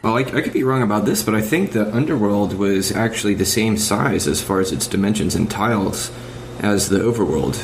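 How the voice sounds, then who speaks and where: Low male voice through clear background noise. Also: a little fast. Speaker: podcast panelist. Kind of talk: casual discussion about retro games.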